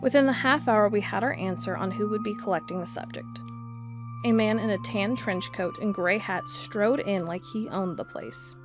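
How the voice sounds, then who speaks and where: A woman's voice: mid-range voice, moderate pace, close to an everyday voice. Woman acting a female investigator, music behind. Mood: measured, formal. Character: female investigator narrating a strange case, reading aloud reports. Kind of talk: scripted audio drama narration.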